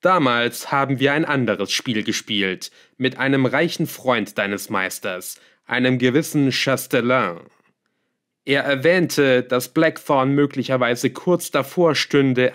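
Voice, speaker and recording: A man voicing a scheming male villain in an audiobook, calm, smug and lightly scornful. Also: medium pitch, a little slow, natural voice. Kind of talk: audiobook character voice.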